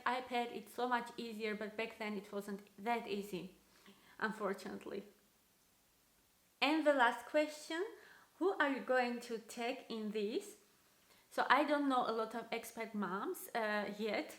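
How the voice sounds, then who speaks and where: A woman's voice: a little high, a bit bright. A woman in her thirties with a strong Armenian accent, chatting casually to camera as a vlogger with many fillers. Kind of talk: casual vlog talk to camera. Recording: echoey room.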